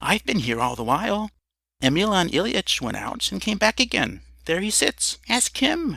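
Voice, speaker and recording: A man's put-on character voice, high in pitch with very wide pitch swings, at a moderate pace, with a dry, close sound with no echo and a very clean recording over a silent background. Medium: read story. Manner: indignant.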